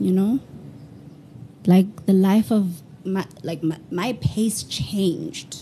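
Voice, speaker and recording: Speaking at a very slow pace, a woman has a fairly low pitch, a dark, mellow tone that is somewhat breathy, and ordinary pitch variation. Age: 30s. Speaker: podcast guest. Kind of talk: casual chat.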